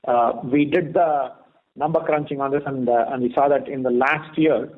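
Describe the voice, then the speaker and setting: Over a thin, phone-like conference line, an Indian man presents results as a company executive. His voice sits at an average pitch, and his delivery is hesitant, with frequent filled pauses as he talks through his points. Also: fairly even intonation. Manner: halting, heavily hesitant with many filled pauses. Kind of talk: earnings call presentation with informal delivery.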